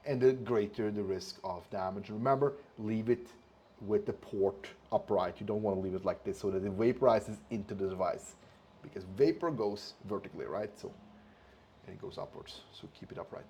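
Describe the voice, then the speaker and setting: A man's voice: lowish voice, normal speed, a little mellow, breathy edge. A man talking informally to viewers in an instructional vlog, somewhat hesitant and repeating phrases for emphasis. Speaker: vlogger giving motorcycle gear tips.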